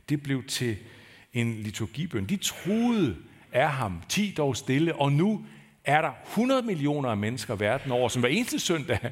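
A man preaching a sermon in a church, talking in a conversational, searching way that builds to emphatic peaks. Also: mid-range voice. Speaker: pastor.

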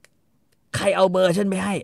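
A man's voice: on the high side, huge pitch swings, a little slow, pushed and bright, dry recording, clean studio sound, voice pushed up, exaggerated voice. A man voicing a furious pregnant young wife who shrieks crude insults. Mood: hysterical.

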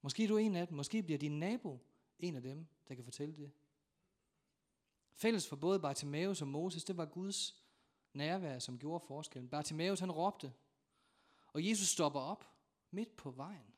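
A man preaching a sermon in a church, telling stories with dramatic acted-out voices and sudden shouts. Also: a little high, pauses often. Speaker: pastor.

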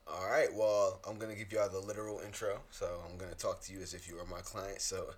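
A young man co-hosting a podcast in casual chat, laid-back and joking, his voice deeper than usual and often clearing his throat. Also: level tone, brisk. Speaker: podcast co-host and therapist.

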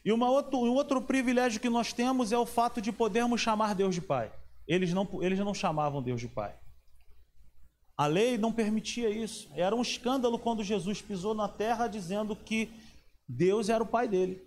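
High-voiced man preaching. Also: brisk, a little mellow, a little hiss or hum. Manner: conversational, asks the audience questions. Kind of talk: sermon.

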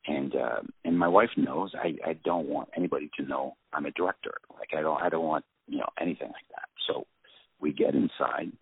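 Man, French accent, very deep voice, husky, halting speech with restarts, tinny phone line. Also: dry recording. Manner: halting, many restarts and fillers. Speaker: film director guest. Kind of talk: anecdotal interview chat.

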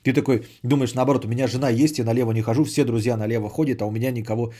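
A man's voice: medium pitch, fairly even intonation, racing, dark tone. A man hosting a podcast, chatting casually and sardonically as he answers audience messages, often swearing and repeating phrases. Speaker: podcast host.

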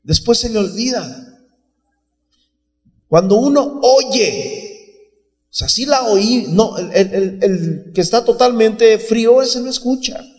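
A man's voice: sits high, lively intonation, slow pace, pauses often, a little mellow. A man preaching an informal sermon, talking conversationally and calling listeners brother. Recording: echoey hall, faint music behind.

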